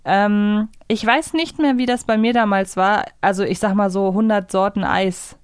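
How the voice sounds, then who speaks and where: A woman talks as a podcast co-host in a casual, analytical way. Her voice is smooth and clear, mid-pitched, and recorded dry and close. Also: moderate pace, no echo. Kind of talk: casual analytical fan discussion.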